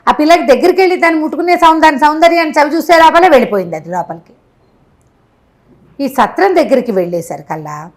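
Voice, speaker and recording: A woman telling a moral tale in an animated, conversational way, stressing things by repetition and acting out the dialogue. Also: mid-range voice. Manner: expressive, acts out dialogue, emphatic repetition. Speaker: storyteller.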